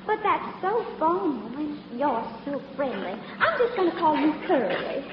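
An actress playing a movie star who puts on a coy, flirty Southern belle act with a put-on American Southern accent. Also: female voice, high voice, very animated, normal speed, crowd noise. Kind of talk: 1940s radio comedy acting. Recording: echoey, lo-fi old radio broadcast.

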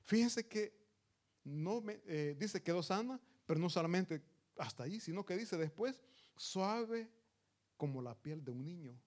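Male preacher, earnest and emphatic sermon delivery, voice sitting a bit high. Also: lively intonation, unhurried, a little mellow. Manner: earnest and emphatic, addresses listeners as brothers.

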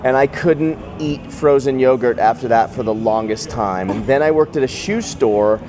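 A man's voice: medium pitch, moderate pace, darkish tone, slight background noise. A man hosting a casual interview, asking curious follow-up questions in a chatty way. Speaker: host, interviewer.

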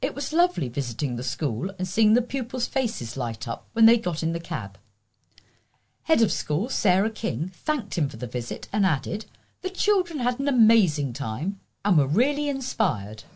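Husky, lively-pitched British woman newsreader. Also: moderate pace. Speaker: volunteer newsreader for a talking newspaper. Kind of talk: scripted local news reading.

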